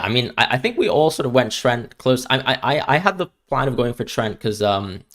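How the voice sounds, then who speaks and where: A young Hong Kong man with an international school accent chats casually on a live stream, answering viewers' questions in a fairly low voice. He's talkative and often stumbles by repeating words as he starts sentences.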